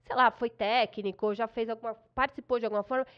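A chatty woman host who talks very fast and expressively in a fairly high voice. The sound is slightly dull. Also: fairly even intonation, clean tone. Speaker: podcast host. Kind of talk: casual chat.

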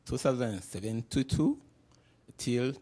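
Slow, warm-voiced middle-aged man. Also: mid-range voice. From Burundi. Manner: halting, hesitant with many pauses. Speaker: panel guest. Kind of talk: personal introduction. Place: classroom. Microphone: handheld mic.

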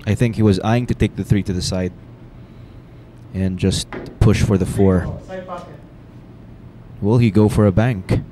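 Man, pool co-commentator, lower voice, analytical, noisy broadcast sound. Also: steady tone, unhurried, long pauses, dark tone. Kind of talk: live sports commentary. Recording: noisy live stream audio.

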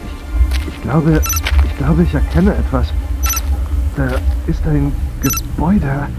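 A slow, halting husband in a sci-fi radio play, acted by a man, stammering with awe and desperation. His voice sits a little high, with clear music underneath. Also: low-quality recording. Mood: awed, searching. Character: desperate, awestruck husband exploring ruins. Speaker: audio drama actor. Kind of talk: science fiction audio drama acting.

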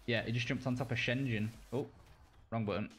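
A young British man casting a live video game match, reacting quickly and cracking jokes between calls. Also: medium pitch, fairly even intonation, a bit bright, faint music behind. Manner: quick reactive play-by-play, jokey asides. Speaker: caster. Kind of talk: live esports play-by-play commentary.

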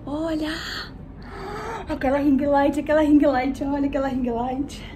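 An excited, emotional woman talking straight to her viewers in a casual vlog, filmed on a phone out on the street and inside a building. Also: high-pitched, unhurried, noisy background. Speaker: vlogger. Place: street, car and studio building.

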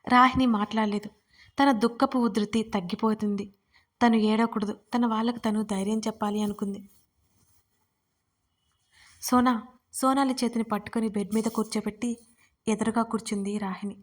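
A woman's voice: fairly high pitch, fairly even intonation, moderate pace, long pauses. A woman narrating an emotional audio story, raising her force for the characters' tearful lines. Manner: voices characters' crying lines with more force.

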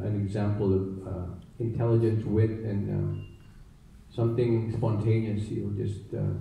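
A Filipino actor at a press conference, answering thoughtfully in mixed English and Tagalog with many fillers. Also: male voice, fairly low pitch, creaky, mellow, a little hiss or hum. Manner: reflective, many fillers and restarts. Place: large theater stage. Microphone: handheld mic heard through hall speakers. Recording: echoey hall from far off.

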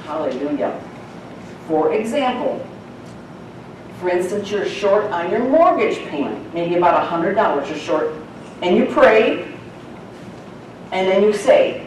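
A woman's voice: medium pitch, big pitch swings, measured pace, pauses often, darkish tone, slight background noise. A woman teaching the Bible to a church congregation in a folksy, chatty way, laughing often. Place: church sanctuary. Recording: echoey church hall from far off.

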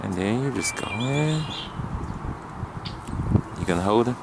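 A man's voice: medium pitch, expressive, a little slow, gravelly. A man in a kayak on a reedy lake, patiently coaching a companion through catching and handling fish, recorded on a head-mounted camera. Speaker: angler teaching a companion to fish. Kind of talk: casual outdoor chat. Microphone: head-mounted action camera. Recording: noisy outdoor camera audio.

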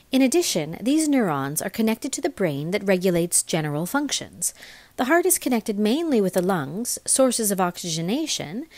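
A woman reading a scripted explainer aloud as a voice-over narrator, with measured enunciation. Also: mid-range voice, a little mellow, no echo. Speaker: voice-over reader.

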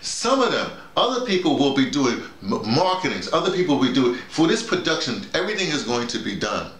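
A middle-aged man talks through his ideas as a workshop leader, with pitch that swings widely. He is emphatic, repeating words and acting out little examples. The sound is roomy, with some echo. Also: big pitch swings, a little fast, fairly bright tone. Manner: emphatic, illustrating points with acted-out examples and repetition. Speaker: audio drama workshop leader. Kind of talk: animated informal discussion. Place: small bedroom with bare walls. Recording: roomy, echoey indoor sound.

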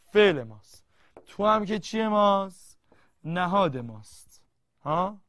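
A man teaching a literature grammar lesson, quizzing the class and reading verses slowly word by word. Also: high voice, no echo. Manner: lively, quizzing students and answering himself.

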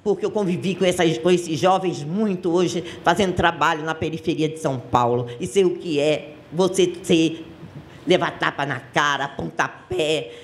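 A woman in her sixties with a Brazilian accent gives personal testimony at a public hearing. She speaks with passion and halts often to restart her sentences. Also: low-pitched. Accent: Brazilian Portuguese. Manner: impassioned, halting, with many restarts. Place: public auditorium.

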